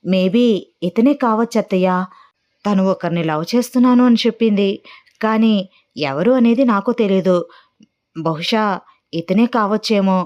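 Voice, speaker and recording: A woman's voice: mid-range voice, normal speed, long pauses, a little mellow, dull audio, natural voice. Young daughter-in-law, thoughtful and wondering, read by a woman. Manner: wondering, musing.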